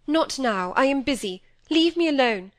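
A woman's voice: on the high side, animated, moderate pace, fairly bright tone, pitched above the performer's own voice. A woman voicing a proud, wounded young woman who speaks in a cold, clipped, resolute way.

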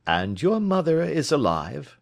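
Man voicing a confident detective, crisp lecturing delivery, raised voice, dry close sound. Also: fairly high pitch, big pitch swings, unhurried, no room sound, voice pushed up, heavily acted. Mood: assured. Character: sharp, self-assured male detective, brisk and lecturing.

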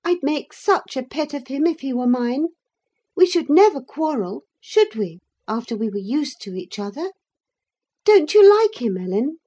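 A woman's voice: very animated, a little slow, dark tone. A woman doing a headstrong teenage girl. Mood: coaxing. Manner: eager, high and emphatic.

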